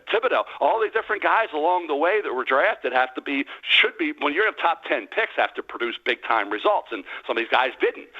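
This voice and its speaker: A man in his sixties calls in over a landline phone, his voice coming through a dull lo-fi line. He talks very fast in blunt, emphatic bursts, with a slightly high, husky voice. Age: 60s. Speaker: phone-in guest on a sports radio show. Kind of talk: sports radio call-in opinion. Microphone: landline telephone.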